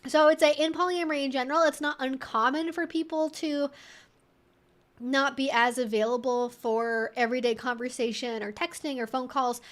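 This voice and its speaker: A woman's voice: high voice, steady tone, moderate pace, fairly bright tone. A woman hosting a casual advice livestream, answering questions in a conversational, rambling way peppered with "like" and "you know".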